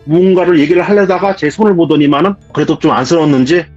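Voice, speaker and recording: A man with a husky voice, telling a true ghost story in a vivid, dramatic way as a guest in casual spoken storytelling. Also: a little high, quick pace, a little mellow. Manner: vivid, dramatic retelling of events. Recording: dull lo-fi sound with faint music.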